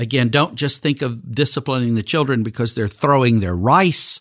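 An unremarkable speaking voice, a man at medium pitch talks with an American accent and ordinary pitch variation. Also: very clean recording, silent background. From US South. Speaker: seminary professor. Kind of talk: lecture.

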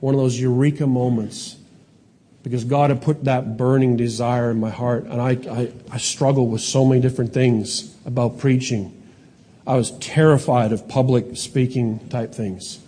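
A man's dark, mellow, somewhat breathy voice at a medium pitch, with fairly even intonation and a moderate pace. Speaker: preacher. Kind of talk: sermon. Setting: church.

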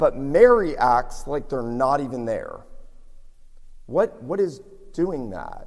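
A man talks at a fairly slow pace with very wide pitch swings. The room echo is audible. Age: 40s. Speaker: pastor. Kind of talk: sermon.

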